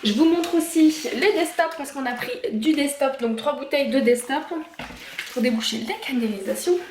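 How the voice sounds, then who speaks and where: A woman talking casually through a haul vlog at home, chatty and halting with many fillers. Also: high voice, darkish tone, roomy sound, slight background noise. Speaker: vlogger. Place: home kitchen and garage.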